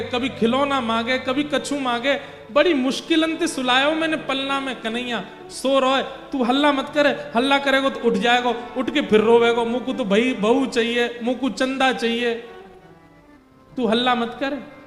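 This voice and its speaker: A man's voice: very high-pitched, a little slow, a bit bright. A man voicing a very old blind mother who searches for her son, scolding and pleading in village dialect. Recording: echoey hall with faint music.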